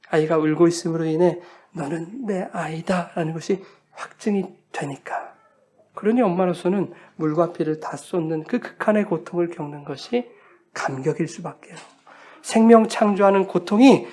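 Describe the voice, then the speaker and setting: A male pastor preaching a sermon with earnest feeling. He often turns to the congregation and swings between loud lines and hushed ones. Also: a little high.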